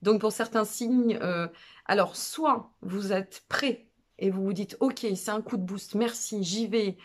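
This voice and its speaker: A woman's voice: medium pitch, unhurried. A woman with a Burgundian French accent chatting casually to her viewers as a channel host, digressive and self-mocking, repeating phrases for emphasis. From Burgundy, France. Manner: emphatic repetition to drive points home. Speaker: online guidance reader and channel host.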